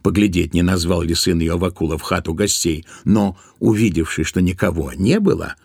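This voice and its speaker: A man's voice: low-pitched, moderate pace, vocal fry, darkish tone, husky, dry recording. A man narrating a literary tale as an audiobook storyteller, expressively and with playful, wry intonation. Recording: studio audio drama with music behind. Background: music.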